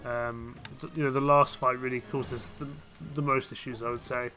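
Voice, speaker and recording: A man with a cold speaks in a croaky yet bright, forward voice. He talks his way through a strategy game in a hesitant, casual way, full of restarts and fillers. His pitch sits at an ordinary middle height. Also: flat delivery, moderate pace, faint music behind. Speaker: game streamer. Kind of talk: casual gameplay commentary.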